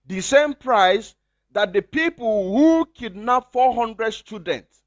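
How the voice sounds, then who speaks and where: A man's voice: high voice, no room sound, highs cut off. A man with a Nigerian accent giving impassioned livestream commentary, hammering points with repeated rhetorical questions. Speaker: activist livestreamer.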